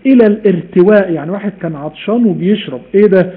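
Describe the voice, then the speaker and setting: Egyptian male recitation teacher, live-stream lesson, animated, quizzes listeners, tinny phone-like audio. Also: high voice, racing. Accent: Egyptian Arabic. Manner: animated, repeats key points, asks students questions.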